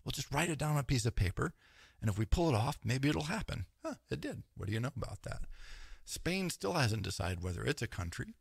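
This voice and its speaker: A man talking through ideas in a rambling, animated lecture style, often tagging points with "right?" and asides. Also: medium pitch, brisk, vocal fry, husky, no echo, clean studio sound. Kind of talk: casual lecture-style talk.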